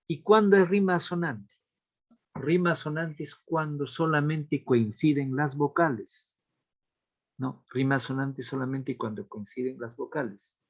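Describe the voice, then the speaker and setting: In a recorded literature class, a man with a mid-range voice explains patiently, repeating key points and often checking in with a quick question. He counts out verses aloud slowly.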